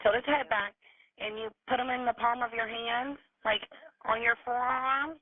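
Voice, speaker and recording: A woman's voice: a little high, steady tone, normal speed, no room sound. A woman working as an emergency dispatcher, asking questions and giving procedural instructions over a tinny phone line. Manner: procedural, directive.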